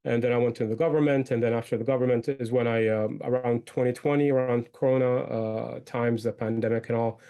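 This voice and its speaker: Speaking a little fast with hardly any pauses, the man has a mid-range, warm, smooth voice and fairly even intonation. He was born in Iraq, moved to the United States young, and is an interview guest, an entrepreneur and podcaster explaining things in a conversational manner.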